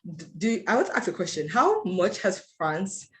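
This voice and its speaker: An interviewer hosting a casual chat, speaking excitedly with many fillers like you know and like. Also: medium pitch, normal speed. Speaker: interviewer host. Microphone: video call.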